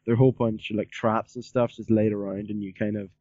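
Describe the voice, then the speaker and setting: Male podcast host, casual and rambling, mellow tone, muffled lo-fi audio. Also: on the low side, level tone, quick pace, no room sound. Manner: rambling, repeats himself, peppers talk with "like". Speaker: podcast interviewer. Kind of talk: casual interview chat.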